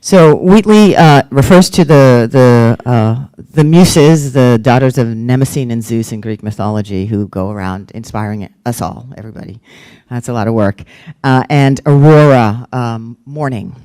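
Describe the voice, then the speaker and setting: A woman editor giving a literary talk and reading, speaking in a halting, thoughtful way with many pauses and fillers. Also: a bass voice, warm tone. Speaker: poetry book editor.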